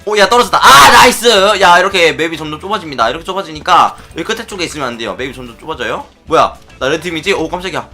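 A man giving excitable play-by-play commentary on his Minecraft minigames, often chanting and shouting as he plays. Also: a little high, rapid-fire, hardly any pauses, faint music behind. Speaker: gaming YouTuber.

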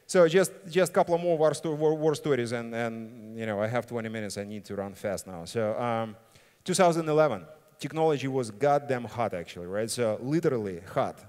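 A man's voice: medium pitch, expressive, fairly quick, few pauses, a little mellow, clean tone. A middle-aged man, a non-native English speaker, giving an informal, blunt conference talk and often checking in with "right?". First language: not English. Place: on stage in a large conference hall. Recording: reverberant hall sound system.

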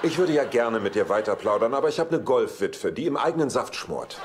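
A man's voice: medium pitch, expressive, fairly quick, close to an everyday voice. An actor playing a cocky, womanizing bachelor with a glib, sardonic delivery in a German-dubbed sitcom, on a noisy soundtrack. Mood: smug, sardonic.

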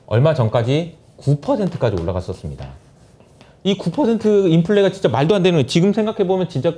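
Casual: guy explaining the market like a story, warm low-toned voice, voice jumps around a lot. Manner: animated storytelling, acting out quotes. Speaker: investment lecturer.

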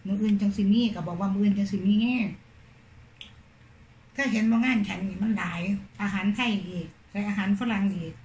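A chatty woman with a Northeastern Thai Isan accent tells a story from her working day, animated and full of little laughs. Her voice sits at an ordinary pitch for a woman. It rings in a roomy, echoey space. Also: fairly quick, vocal fry. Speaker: vlogger. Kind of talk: casual storytelling chat.

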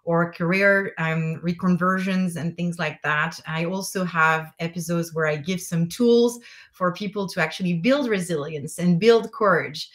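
A woman in her thirties, a French-speaking leadership coach with a clear French accent, talks eagerly over a video call from a bedroom at home. Her voice sits a little low for a woman, and she speaks fluently with small restarts. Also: unhurried. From francophone. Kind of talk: interview talk. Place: bedroom, indoors.

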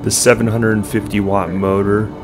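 A man's voice: fairly low pitch, level tone, normal speed, gravelly. A middle-aged man giving an upbeat, scripted voice-over review of an electric bike. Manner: upbeat, product-focused explanation. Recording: voice-over with music behind. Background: music.

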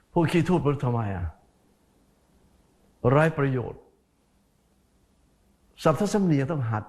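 Monk guy giving a sermon, talks right at the listeners, says stuff over and over to drive it home, mid pitch. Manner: folksy, repeats words for emphasis; speaks to listeners directly as "sir". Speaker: Buddhist monk.

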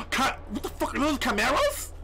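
A man with a noticeable lisp chatters through a horror game playthrough, his voice pitched high and swinging widely. He swears freely and restarts his sentences often. Clear background noise runs under the recording. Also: measured pace. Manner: swearing, excitable, rambling with many restarts. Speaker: gameplay commentator. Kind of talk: let's play commentary.

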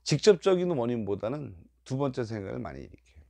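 Gravelly older man giving a dharma talk. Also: medium pitch, sing-song, fast talker, no room sound, studio quality. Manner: repetitive, acts out worried inner voices; emphatic, rising and falling loudness. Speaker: Buddhist dharma teacher. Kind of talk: Buddhist dharma lecture.

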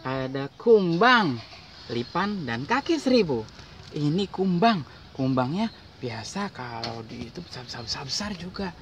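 A man's voice: a little high, very animated, measured pace, a bit bright, distant mic. A man reading a picture book aloud to a small child, using exclamations, sound effects and simple repeated phrases. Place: outdoors on a playground swing in a residential park. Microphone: camera a short distance away. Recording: outdoor noise, voice off from mic.

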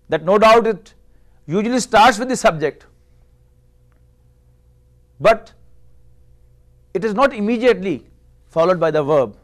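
A middle-aged man whose first language is Urdu, giving a classroom lecture on a lapel mic in a small room, measured and explanatory, posing rhetorical questions. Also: high-pitched. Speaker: Arabic teacher.

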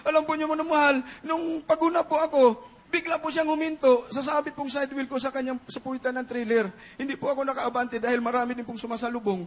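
Man, middle-aged, very high voice, flat delivery; fervent church testimony in a large hall. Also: fast. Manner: fervent, repeated hallelujahs and frequent shouting. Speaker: church member giving testimony.

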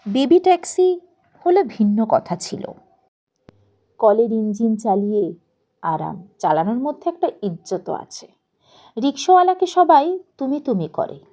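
Animated, high-voiced woman narrating. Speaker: audiobook narrator. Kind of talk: expressive literary story narration.

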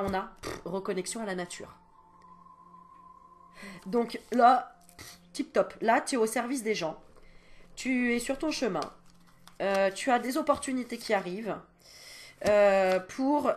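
A French-speaking woman giving a casual, reassuring card reading to camera, talking in a chatty way with many fillers and sighs, coughing now and then. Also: mid-range voice. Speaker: card reader and medium.

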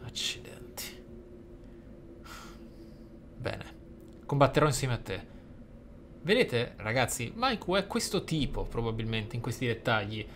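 A man's voice: medium pitch, big pitch swings, a little slow, pauses often, a bit bright. Reflective man narrating a game. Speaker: gaming video host. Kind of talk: role-play game commentary, some reading aloud of in-game text. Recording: faint noise and game ambience.

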